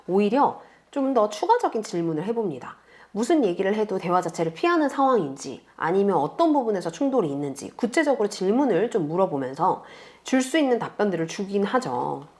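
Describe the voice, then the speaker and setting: A woman teaching beginners step by step in a calm, patient screen tutorial, speaking close to the mic. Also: mid-range voice. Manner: patient, explains slowly to beginners. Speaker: online tutor.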